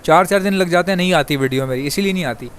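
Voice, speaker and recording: A man from Pakistan who vlogs about breeding birds, talking quickly and chattily to his viewers and calling them brother. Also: sits high, slight background noise. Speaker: bird breeder vlogger. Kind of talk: fast casual monologue to viewers.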